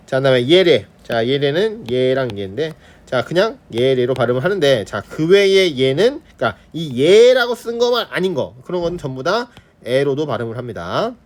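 A man's voice: mid-range voice, very animated, moderate pace. A male teacher giving an online lesson on pronunciation, demonstrating sounds and checking in with students constantly. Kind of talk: online Korean grammar lesson.

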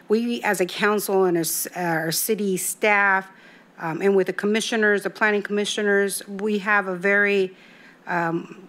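A middle-aged woman speaking as a city council member in a council chamber, pausing often with ums and restarting her sentences. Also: on the low side. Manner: halting, many ums and restarts. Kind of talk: council meeting remarks. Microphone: desk microphone.

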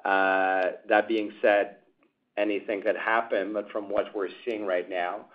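A man with a lowish voice answers analysts as a company executive. He phrases things carefully, with hesitant pauses. The sound is thin and narrow, as over a telephone. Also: little pitch movement. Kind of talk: earnings call answers. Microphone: telephone conference line. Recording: narrow, tinny phone line.

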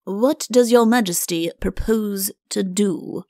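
A woman's voice: mid-range voice, slow pace, mellow, no room sound, clean studio sound. A woman voicing a timid, deferential, easily shocked royal chancellor in a storybook. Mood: stiff. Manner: obsequious, fretful.

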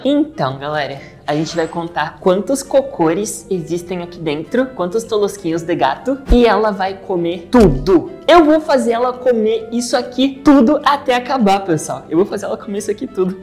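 A woman from Brazil giving playful, excitable let's-play commentary, giggling and talking straight to her viewers. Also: medium pitch, moderate pace, few pauses, faint music behind. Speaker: gaming YouTuber.

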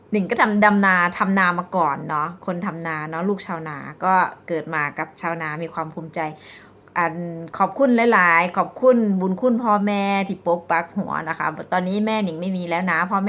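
A bright, clear-toned young woman from Thailand gives a casual English lesson. She chats and rambles, then reads English phrases slowly and explains them. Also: medium pitch. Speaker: English tutor. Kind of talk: casual vlog-style language lesson.

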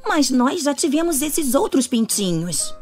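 A gentle, devout mother hen in a children's cartoon , played by a woman. She speaks slowly in a fairly high, very melodic voice over music. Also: big pitch swings. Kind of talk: animated storybook dialogue.

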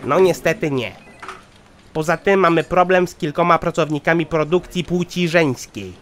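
A man's voice: fairly high pitch, moderate pace, a little hiss or hum, close to an everyday voice. A man voicing a callous, dutiful foreman in a satirical cartoon, reporting formally and matter-of-factly.

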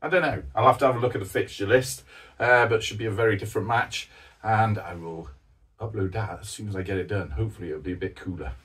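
A man, the host, commentating his own tabletop football game play by play, excitable and jokey with sudden loud outbursts, out of breath from the heat. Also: fairly low pitch, fast talker, distant mic. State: out of breath, hot.

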